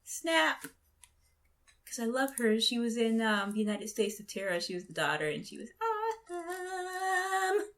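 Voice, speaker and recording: A woman's voice: on the high side, sing-song, a little slow, a bit bright. A woman co-hosting a casual pop-culture podcast, enthusiastic and peppering her talk with "like". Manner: enthusiastic, heavy use of "like". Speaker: podcast co-host. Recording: echoey room.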